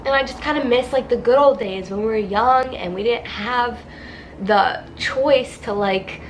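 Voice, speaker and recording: A woman's voice: fairly high pitch, measured pace, slight background noise, poor audio. Stuffy-nosed young woman vlogging. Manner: rambling, heavy use of "like", heartfelt. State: stuffy nose from a cold. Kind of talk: casual confessional vlog.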